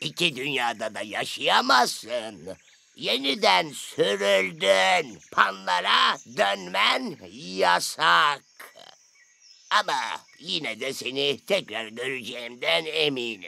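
This man's voice sits at a medium pitch and moves at a very slow pace. His pitch swings very widely. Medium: fan dub. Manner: regal, impatient, gruffly kind.

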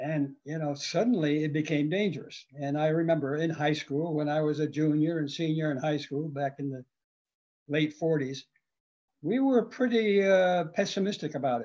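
A man speaks with a New England accent, his pitch fairly high for a man and his tone dark and mellow. The background is quiet. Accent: New England American. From Vermont, Burlington. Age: 80s+. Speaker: retired surveyor and author. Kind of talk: interview. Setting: video call. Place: home room. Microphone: webcam.

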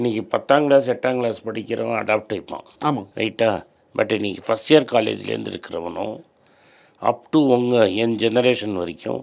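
The man has a medium pitch with ordinary pitch variation. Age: 50s. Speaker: financial commentator. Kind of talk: interview, casual advice. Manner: animated.

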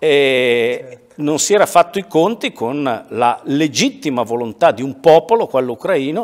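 The background is quiet. A man talks with lively intonation. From northern Italy, Ossola (Piedmont); northern Italy. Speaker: politician, senator. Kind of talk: TV interview. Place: studio. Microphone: lapel.

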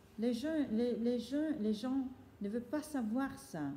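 Amid light background noise and audible room echo, a woman with a high pitch and a dark, mellow tone speaks at a very slow pace with ordinary pitch variation. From Italy. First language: Italian (speaking French). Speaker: psychoanalyst and author; psychoanalyst. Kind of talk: lecture. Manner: halting. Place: meeting room. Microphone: phone near.

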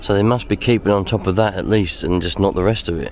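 A man talks at a fairly quick pace in a normal speaking voice, pitched fairly low. The sound is dry with no echo, over light background noise. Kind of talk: casual vlog chat. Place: open country. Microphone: phone near.

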